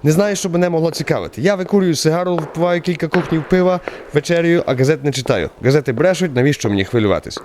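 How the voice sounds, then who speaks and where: A man playing an indignant, dismissive bar patron in a radio drama, talking in a quick, emphatic, argumentative way. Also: fairly high pitch, lively intonation, a little mellow, a little hiss or hum, voice pushed up, natural voice. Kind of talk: radio drama character acting.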